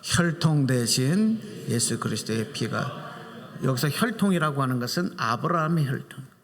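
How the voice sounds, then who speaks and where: A man's voice: medium pitch, animated, normal speed, a little hiss or hum. A male pastor giving a Sunday sermon in a church sanctuary, preaching with animation and putting questions to the congregation. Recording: reverberant church hall.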